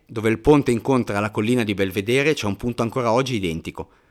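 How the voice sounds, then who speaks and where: A man with an ordinary speaking voice talks at a fairly quick pace and medium pitch, with lively intonation. The recording is very clean, with a silent background. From Genoa, Italy. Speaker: first-person narrator, former worker under the bridge. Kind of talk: scripted narration.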